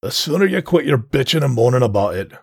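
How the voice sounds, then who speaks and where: A gruff dockmaster with a loud, growling bark, put on by a male narrator. He is bossy and short-tempered and speaks in a raised voice. His tone is husky and dry, like a close audiobook read. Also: lowish voice, animated, measured pace, dry recording, heavily acted. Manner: growling, barking orders.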